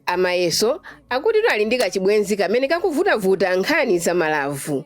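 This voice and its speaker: A woman with a Malawian accent presenting a radio drama programme in scripted announcements, deliberate when reading out lists and numbers. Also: medium pitch, very animated, soft background music.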